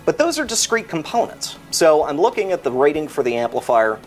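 A man's voice: on the high side, very animated, brisk, soft background music. American man explaining technical details methodically. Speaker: product expert. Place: indoor product display set.

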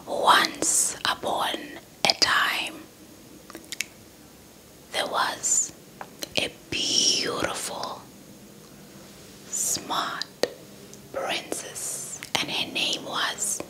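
A young woman telling a story in a breathy ASMR whisper close to the mic, deliberate and softly repeating words. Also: rough recording. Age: young adult. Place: indoors in front of a dark cloth backdrop. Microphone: handheld small mic with fluffy windscreen, held close.

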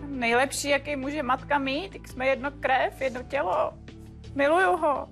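A woman's voice: high-pitched, steady tone, gravelly, a bit bright, soft background music. An actress playing an emotional, defensive mother who whines and accuses in court. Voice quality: whiny, accusing. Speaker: respondent mother. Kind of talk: courtroom TV show acting.

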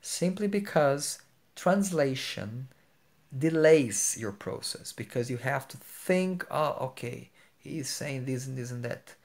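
A man's voice: mid-range voice, expressive, slow, creaky. A man in his thirties, a native Portuguese speaker with a Portuguese accent, explaining a lesson to camera in an earnest way, often asking "right?". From Portugal or Brazil. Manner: earnest, explains with everyday examples, checks in with "right?". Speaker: English teacher. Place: indoor room with plain wall. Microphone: phone camera held close.

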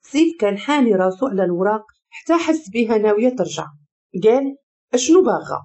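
A woman with a Moroccan accent narrating a dramatic family story in an expressive way. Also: medium pitch, fast.

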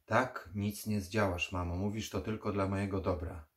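A man's voice: fairly low pitch, fairly even intonation, moderate pace, close to an everyday voice. A man reading the part of a stubborn, haunted young man in an audiobook horror story. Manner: stubborn, agitated.

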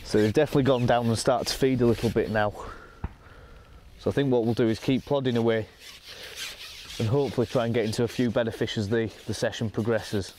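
A young man talking casually to camera while fishing from a lake bank outdoors, explaining his session in a relaxed, matter-of-fact way. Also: mid-range voice, fast talker, slight background noise. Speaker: angler presenting a fishing session.

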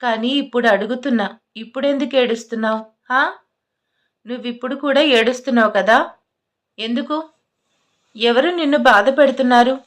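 A woman's voice: on the high side, measured pace, long pauses, close to an everyday voice. A woman voicing an irritated young man who scolds and demands answers, in a storybook reading. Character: angry, blunt young man, quick to anger.

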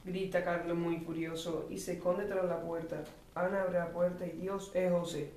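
A teenage boy narrates a script in a high, even voice. The room echoes and he sounds set back from the mic. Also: normal speed. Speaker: student narrator. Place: school classroom. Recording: roomy classroom, distant mic, faint noise.

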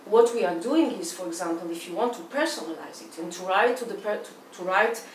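A woman's voice: mid-range voice, fairly quick, roomy sound. Israeli woman, 40s, interview guest, careful and searching for words, distant mic, faint hiss. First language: Hebrew. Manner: thoughtful, restarts phrases often. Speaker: artist guest. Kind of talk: interview answers. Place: indoor room with plain walls.

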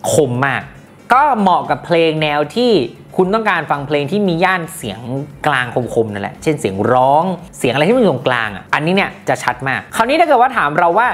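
A woman with a low voice talks through a gadget review in a chatty, playful way. Her pitch swings widely as she goes, and she drops teasing asides to her viewers. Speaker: tech product reviewer. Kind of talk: casual product review.

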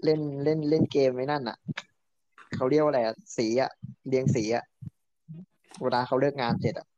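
A man's voice: medium pitch, moderate pace, dark tone, dry recording, highs cut off. A man chiming in as a guest on a casual livestream chat, teasing and asking questions.

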